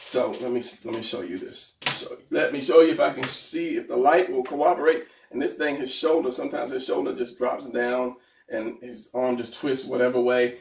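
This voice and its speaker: A man teaching how to draw the torso as he sketches. His voice is going hoarse, and he trails off and mutters while he works. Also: medium pitch. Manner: talks while drawing, trailing off and muttering to himself. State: losing his voice. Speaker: art instructor. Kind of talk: drawing tutorial while sketching. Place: indoors at a desk. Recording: roomy, slightly distant mic.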